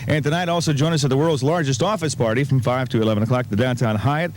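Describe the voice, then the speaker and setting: Fast-talking male morning radio host. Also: medium pitch, steady tone, darkish tone, slight background noise. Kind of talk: morning zoo radio chat and live ad reads. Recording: radio aircheck with music behind.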